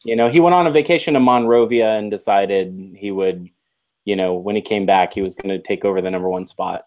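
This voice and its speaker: A man's voice: fairly low pitch, fairly quick, darkish tone. Earnest man chatting on a podcast. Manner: earnest, reflective, teasing asides. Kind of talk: casual live podcast chat.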